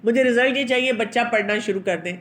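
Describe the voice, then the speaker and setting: A woman giving parenting advice in a calm, measured, teacherly way, posing rhetorical questions and dropping in English terms. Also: on the high side. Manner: mixes English terms into her speech. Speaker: parenting advisor. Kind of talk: advice talk on parental anger.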